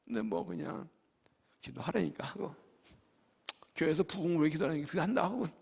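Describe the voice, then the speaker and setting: A man preaching a sermon as pastor, with sudden loud rises and soft drops, acting out pleading prayers. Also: a little high, lively intonation, brisk, creaky, breathy edge. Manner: acts out prayers and quotes in a pleading voice. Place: church sanctuary. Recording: long reverb of a church hall.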